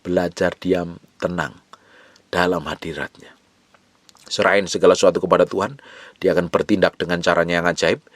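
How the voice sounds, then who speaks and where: A male pastor preaching a sermon with urgent exhortation, repeating short phrases and moving between forceful rises and hushed low phrases. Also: dry recording.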